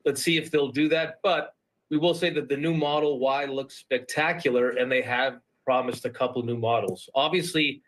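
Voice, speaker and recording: Measured male market analyst guest. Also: medium pitch, steady tone, fairly bright tone, low-quality recording. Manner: measured, explains point by point. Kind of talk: TV business interview.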